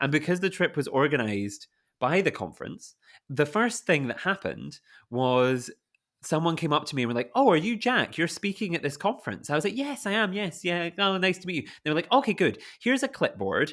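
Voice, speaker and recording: Here a man speaks at a high pitch. His pitch swings very widely. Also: fairly quick pace, very clean recording, silent background. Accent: slight Scottish. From Scotland. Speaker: podcast host and zoo educator. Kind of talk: casual chat. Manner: conversational with many fillers.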